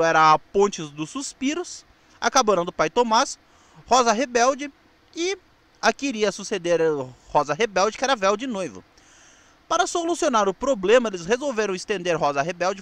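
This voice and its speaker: A Brazilian man with a notably high voice narrates from a script. His intonation swings in a lively way, and the reading is slightly halting. The sound is dry and close, with very little room. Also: no echo. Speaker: presenter of a TV history show. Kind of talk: scripted narration about television history.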